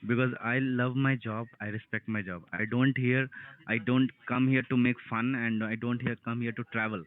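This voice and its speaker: A man's voice: medium pitch, fairly even intonation, moderate pace. A man from India with an Indian accent, a call centre worker talking defensively and insistently, repeating himself. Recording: muffled, narrow phone line.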